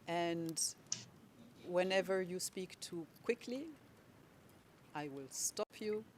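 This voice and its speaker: Measured courtroom lawyer, faint hiss. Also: mid-range voice, animated. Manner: measured, deliberate. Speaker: legal representative of victims. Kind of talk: courtroom questioning.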